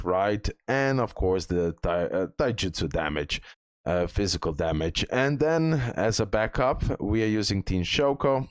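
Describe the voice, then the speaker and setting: Low-voiced man giving game commentary. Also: dry recording, clean studio sound. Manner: repeats phrases for emphasis. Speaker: gaming guide creator. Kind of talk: casual game walkthrough commentary.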